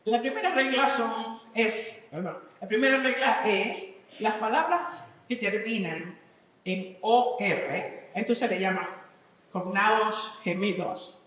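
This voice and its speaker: A woman's voice: on the high side, takes it slowly, fairly bright tone, slight background noise. A woman giving a live conference talk, teaching English vocabulary, reading word lists aloud and putting questions to the audience. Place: large conference hall. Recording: echoey hall from far off.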